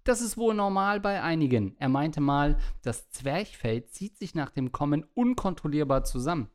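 A man's voice: fairly high pitch, animated, normal speed, a little mellow. A man hosting a podcast who reads listener letters aloud and chats in a dry, teasing, matter-of-fact way. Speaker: podcast host reading listener mail. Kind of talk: casual chat and reading letters aloud.

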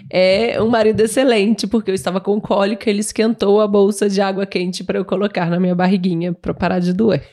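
A woman's voice: mid-range voice, level tone, fairly quick, mellow. Giggly Brazilian woman chatting. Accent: Brazilian Portuguese. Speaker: podcast co-host, schoolteacher. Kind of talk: informal casual chat.

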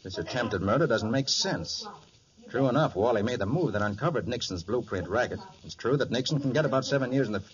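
An American actor playing a confident, decisive private detective who takes charge in a commanding, clipped way, in 1940s radio drama style. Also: male voice, mid-range voice, lively intonation, a little fast, close to an everyday voice. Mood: grave, urgent. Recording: dull 1940s radio recording, faint noise.

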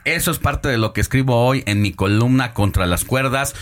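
Mexican guy hosting morning news radio, calm but opinionated, talks politics. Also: medium pitch. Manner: measured, opinionated commentary. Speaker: radio news host and columnist. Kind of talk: live radio news commentary.

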